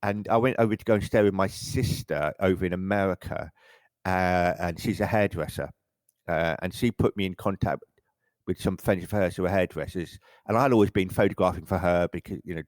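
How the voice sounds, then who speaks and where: A middle-aged English man with a very low voice, chatting casually as an interview guest. He rambles and often restarts his sentences. The sound is close and dry. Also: fairly quick, a little mellow, dry recording. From England. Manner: rambling, self-correcting, frequent stammered restarts. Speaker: photographer guest.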